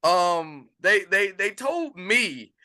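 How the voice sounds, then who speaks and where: A man's voice: high voice, sing-song, drawn-out words, sharp tone. A man hosting a podcast, asking loose, rambling questions in a casual interview chat. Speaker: podcast host.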